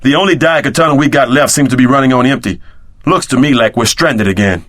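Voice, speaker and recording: A man playing a brash, loyal tough-guy sidekick in an action video game, with slangy, streetwise, expressive delivery. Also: mid-range voice, quick pace, no echo, studio quality, close to an everyday voice. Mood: skeptical, wary.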